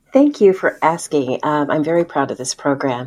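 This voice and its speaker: A woman with a very deep, low voice speaks at a moderate pace with ordinary pitch variation. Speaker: math education professor. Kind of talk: radio interview.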